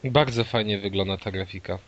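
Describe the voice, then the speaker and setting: A man's voice: fairly low pitch, brisk, a bit bright. A man chatting casually with friends while they watch game trailers, joking and swearing now and then. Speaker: gaming commentator. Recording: dry, slightly dull sound.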